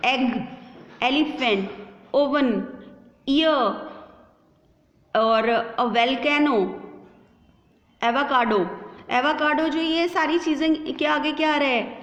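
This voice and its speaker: A woman's voice: sits high, a bit bright. A woman teaching a class, explaining patiently, repeating examples and asking rhetorical questions. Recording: echoey lo-fi room recording.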